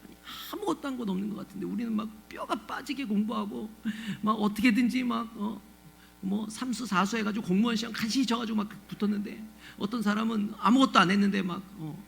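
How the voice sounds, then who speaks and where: A man's voice: sits high, gravelly, slight background noise. A male pastor preaching a sermon in a conversational, emotive way, often asking the congregation questions and acting out anguished pleas. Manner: emotive, acts out biblical cries and pleas.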